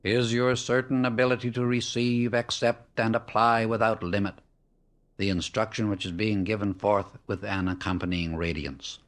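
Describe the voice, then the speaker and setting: A man narrating a scripted spiritual discourse as an audiobook, solemn and measured, setting out short phrases with emphasis. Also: on the low side, little pitch movement. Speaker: audiobook reader.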